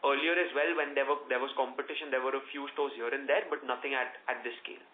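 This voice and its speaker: Over a narrowband, echoing conference line with some noise, a man with an Indian accent answers questions as a company executive. His pitch is average and his phrasing is corporate and explanatory. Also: steady tone, fast. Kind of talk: answering analysts' questions on an earnings call. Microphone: conference call phone line. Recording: roomy, noisy narrowband conference phone line.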